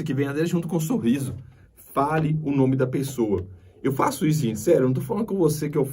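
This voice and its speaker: Brazilian man, course instructor, emphatic and repetitive, slightly high, husky, a bit distant from the mic. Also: warm tone. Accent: Brazilian Portuguese. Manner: emphatic, repeats key points. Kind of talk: lecture over slides.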